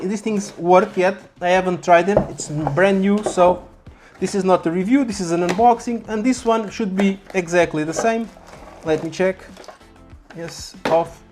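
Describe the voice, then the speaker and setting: A vlogger giving casual, halting unboxing commentary and often repeating words. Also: mid-range voice. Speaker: YouTube vlogger. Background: background music.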